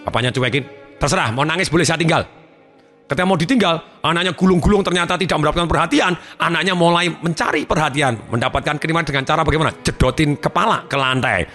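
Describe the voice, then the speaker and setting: Animated man giving a motivational talk. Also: fairly high pitch, quick pace, hardly any pauses, soft background music. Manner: animated, addressing listeners directly. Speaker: motivational speaker.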